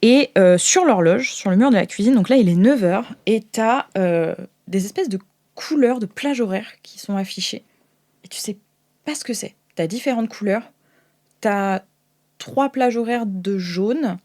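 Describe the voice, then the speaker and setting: A woman's voice: medium pitch, lively intonation, measured pace, darkish tone. A woman narrating an improvised tabletop game as game master, in an informal, descriptive and hesitant way.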